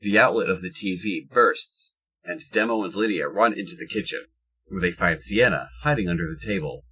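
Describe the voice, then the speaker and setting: A man narrating a scripted audio drama in a husky voice. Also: deep voice, moderate pace, pushed and bright, a little hiss or hum, rough recording.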